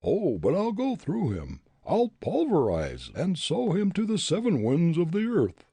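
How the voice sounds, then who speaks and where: A swaggering backwoods bully blusters in a raised, drawling voice, as a male narrator puts him on. The tone is hoarse and breathy, close and dry. He boasts and threatens without pause. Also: a little high, huge pitch swings, no echo, voice pushed up, full character voice. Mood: blustering. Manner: blustering, loud, drawling dialect. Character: brawling loud backwoods male ruffian, boastful.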